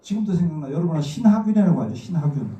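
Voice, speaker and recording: Middle aged korean guy w/ daegu accent telling stories in a talk, really dark muffled voice, echoey room. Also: a little high, very animated, fast, recorded from a distance, slight background noise. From Daegu, South Korea. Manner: conversational, acts out remembered dialogue. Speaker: guest lecturer, stage actor. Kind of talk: informal lecture with personal storytelling. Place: indoor lecture room, recorded from a distance.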